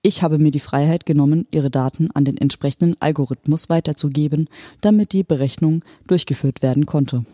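A reader voicing an unfeeling hologram official who speaks in a calm, matter-of-fact, bureaucratic manner. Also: mid-range voice, fairly quick, no room sound, clean studio sound, natural voice. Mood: detached. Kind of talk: audiobook character voice.

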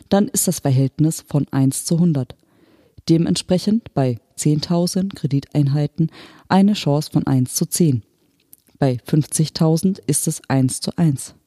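An audiobook narrator reading a story in an even, measured way. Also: mid-range voice, dry recording, clean studio sound. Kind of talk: scripted narration.

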